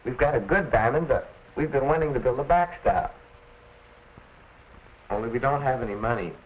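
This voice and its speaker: A man's voice: medium pitch, moderate pace, lightly acted. A young actor playing a nervous teenage boy who speaks hesitantly and sheepishly in a 1940s film. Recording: dull old film soundtrack.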